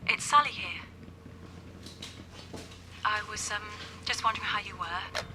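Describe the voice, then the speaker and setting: An actress playing a hesitant caller, heard over a landline phone leaving a message with pauses and fillers. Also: female voice, medium pitch, noisy background. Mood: tentative. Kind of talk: TV drama acting.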